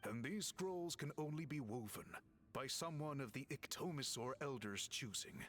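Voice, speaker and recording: An actor playing a tall, courteous tribal chief in a video game, formal and measured with slight hesitations. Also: male voice, medium pitch, animated, a bit bright, a little hiss or hum, close to an everyday voice. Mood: explaining solemnly. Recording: faint music behind.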